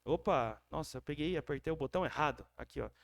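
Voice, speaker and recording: A man's voice: a little high, fast, creaky, no echo, studio quality. A man with a Brazilian Portuguese accent casually walking viewers through a trading chart, checking in with them often and correcting himself as he goes. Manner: chatty, keeps checking in with the viewer, frequent self-corrections. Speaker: crypto trading analyst. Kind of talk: casual screen-share trading walkthrough.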